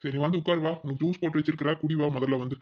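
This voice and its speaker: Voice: mid-range voice, fairly even intonation, very fast, muffled recording, lightly acted. A performer voicing a caring young village husband in a cartoon who fusses and nags out of concern. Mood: fussing. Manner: fussing, nagging with concern. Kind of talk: cartoon voice acting.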